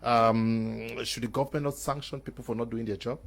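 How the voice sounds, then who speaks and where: A Cameroonian man hosting a talk panel in a mid-pitched voice. He frames questions for his guests and drops in joking asides. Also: steady tone, moderate pace, vocal fry. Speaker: talk show host. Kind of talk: panel discussion.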